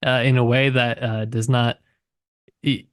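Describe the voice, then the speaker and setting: A man's voice: mid-range voice, flat delivery, a little slow, clean tone, no room sound, clean studio sound. A man co-hosting a podcast, casually discussing literature and tentatively thinking aloud as he goes. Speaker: podcast co-host.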